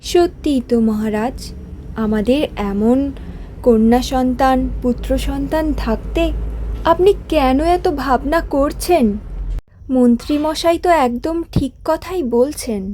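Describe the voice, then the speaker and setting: A woman playing a concerned, respectful queen and mother in a cartoon storybook, gently questioning and deferential. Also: sits high, unhurried, slight background noise.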